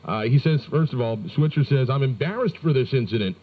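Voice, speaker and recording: An American man hosting morning radio, reading news with wry, joking asides in a deadpan delivery. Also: medium pitch, brisk. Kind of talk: comic news banter on rock radio. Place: radio studio. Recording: narrow-band 1990s radio aircheck.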